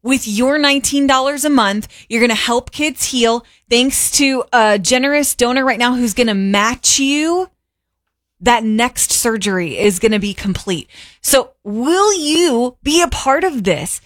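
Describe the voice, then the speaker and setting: A woman's voice: a little high, animated, unhurried, no echo, clean studio sound. Earnest woman radio host making an appeal. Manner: earnest, urging listeners to give. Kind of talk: fundraising appeal.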